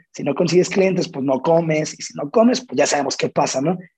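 Pitch shifts in an ordinary way. The voice has a dark, mellow tone. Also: man. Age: 20s. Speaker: dance teacher and choreographer. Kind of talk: interview. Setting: live stream.

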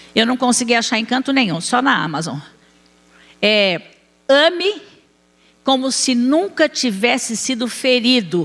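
With a high pitch and very wide pitch swings, a woman talks at a fairly slow pace, leaving long, frequent pauses. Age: 70s. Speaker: preacher. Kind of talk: sermon.

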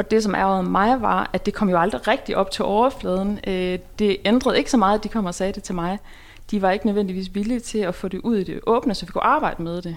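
A woman at a medium pitch, very fast, with ordinary pitch variation. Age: 40s. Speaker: business coach and HR consultant. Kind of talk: interview.

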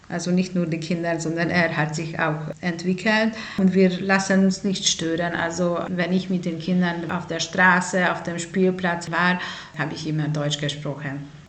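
Monotone and flat, a woman speaks at a fairly low pitch. Noticeable background noise and audible room echo fill the recording. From Hungary, German-speaking minority. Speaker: parent. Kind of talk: interview.

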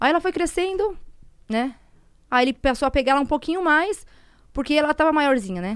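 On a very clean recording with a silent background, a woman talks at a moderate pace with long, frequent pauses. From São Paulo, Zona Norte. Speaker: social media personality. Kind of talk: podcast interview.

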